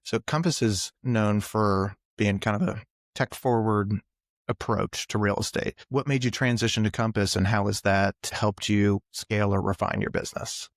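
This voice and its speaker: A man hosting a podcast, asking relaxed, rambling questions with fillers. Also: fairly low pitch, normal speed, no room sound, clean studio sound. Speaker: podcast host. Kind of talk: casual interview questions.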